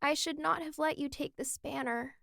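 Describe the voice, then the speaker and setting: High, croaky little mage voiced by a woman. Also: no echo, clean studio sound. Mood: sad, soothing. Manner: soft, halting, soothing. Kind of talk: dramatic fan-fiction audio acting.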